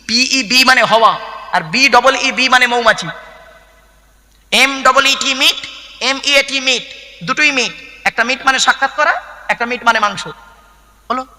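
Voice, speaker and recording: A man's voice: very high-pitched, bright, forceful tone, in a large hall. A male preacher gives a waz sermon, emphatic and teaching, with many rhetorical questions. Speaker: Islamic preacher.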